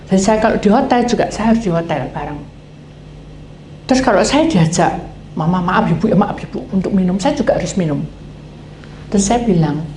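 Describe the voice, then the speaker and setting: Woman pastor, storytelling sermon, warm dark tone, faint hiss on the recording. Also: lowish voice. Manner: acts out quoted dialogue, animated. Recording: echoey hall, faint noise.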